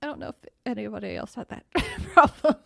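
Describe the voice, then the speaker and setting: A woman's voice: on the high side, lively intonation, fairly quick, gravelly, bright, forceful tone, no echo, clean studio sound. A woman in her late thirties, a guest on a casual podcast chat, telling stories in a giggly, self-conscious way. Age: 30s.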